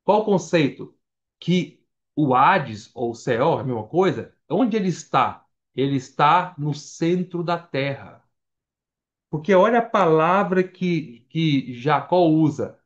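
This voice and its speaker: A man's voice: fairly high pitch, expressive, takes it slowly. A Brazilian man preaching a Bible study at church, conversational, reading scripture aloud between casual remarks. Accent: Brazilian Portuguese. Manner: conversational, reads scripture aloud, frequent fillers. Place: church meeting hall. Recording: dull lo-fi church recording.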